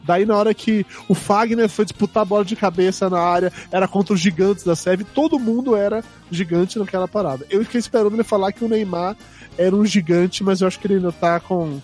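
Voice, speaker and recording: A hoarse man from Brazil hosting a podcast in a casual, joking chat and laughing at himself. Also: high voice, fast talker, darkish tone, soft background music. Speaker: podcast host.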